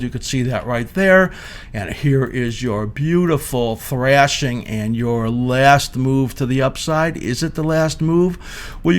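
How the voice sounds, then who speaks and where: A man in his sixties giving informal explanatory commentary as a market analyst, speaking haltingly with frequent hesitations. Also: medium pitch. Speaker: market analyst presenting a video series. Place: indoor studio or office at a desk.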